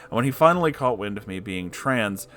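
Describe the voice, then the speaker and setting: A man with a fairly low voice reads a personal story aloud as a narrator. His delivery is expressive and dramatic, and he is blunt and candid in the way he comments. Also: a little fast, slight background noise. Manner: expressive, sweary, incredulous interjections. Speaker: narrator reading online stories aloud.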